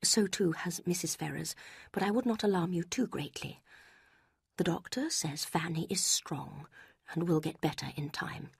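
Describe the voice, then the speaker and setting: A woman voicing a pompous, self-satisfied gentleman who speaks gravely in a low, hushed half-whisper. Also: moderate pace, no room sound, clean studio sound, full character voice. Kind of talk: audiobook character reading.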